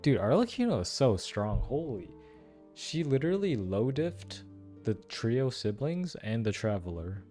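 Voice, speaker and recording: A man's voice: mid-range voice, sing-song, measured pace, dark tone. A young man giving casual, slangy, musing reaction commentary on a game. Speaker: gameplay reaction host. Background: game music.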